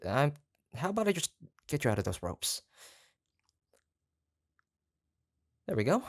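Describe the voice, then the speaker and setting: An actor playing an obsessive, doting yandere kidnapper in a roleplay audio drama, halting and coaxing, tender yet menacing. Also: medium pitch, vocal fry, dry recording, studio quality. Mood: eager, sheepish. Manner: halting, gushing, coaxing, with nervous stammers. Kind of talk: roleplay audio drama, intimate one-sided monologue.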